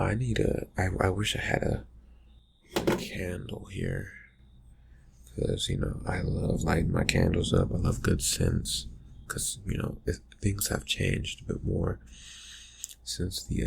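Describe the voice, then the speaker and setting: Guy doing a moody distracted vampire buddy for asmr, super crackly low mumble, slow, keeps trailing off. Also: animated, full character voice. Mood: wry, musing. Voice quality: breathy, husky, gravelly low murmur. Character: brooding, distracted young male vampire friend, slyly teasing. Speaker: ASMR roleplay performer. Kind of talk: ASMR roleplay, improvised soft talk to the listener.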